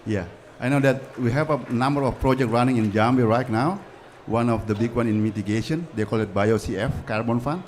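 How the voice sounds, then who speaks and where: A man with an Indonesian accent answering audience questions on a panel, halting and repeating words often. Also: mid-range voice, a little mellow, slight background noise. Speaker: government panelist. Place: conference pavilion.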